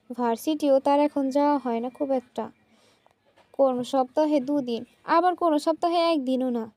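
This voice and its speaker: A woman narrating a sad story in a steady, emotive reading style. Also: high voice, dry recording.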